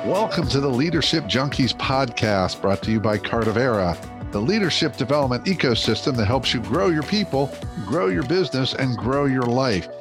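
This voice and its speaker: A man works as a podcast host, presenting in a mid-pitched voice. He introduces the show and guest, with music audible in the recording. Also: lively intonation, moderate pace.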